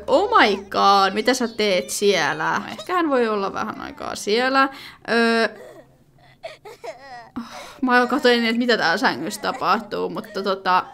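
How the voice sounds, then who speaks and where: Her voice leans high and has a slight brightness. She's a gaming video creator talking casually over her play, rambling aloud with many fillers and sudden outbursts.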